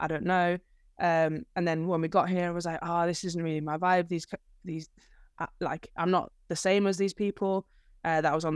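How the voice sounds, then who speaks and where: On a very clean recording with a silent background, a woman speaks at a moderate pace with a fairly low pitch and a monotone, flat intonation. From South Wales. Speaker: band member and youth ministry worker. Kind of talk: casual interview chat.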